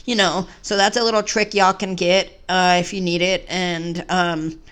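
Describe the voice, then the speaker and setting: A man's voice: high voice, flat delivery, measured pace, a bit bright, clear, resonant tone. A trans man in his twenties, telling a long story casually to the camera in a chatty, rambling way. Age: 20s. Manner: rambling, chatty, says "y'all". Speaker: vlogger.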